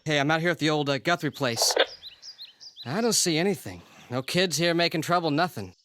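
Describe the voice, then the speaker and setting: A man's voice: fairly high pitch, lively intonation, fairly quick. A man playing a bored patrol officer reporting over a police radio in an audio drama. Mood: unimpressed. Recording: very noisy, clicking police radio transmission.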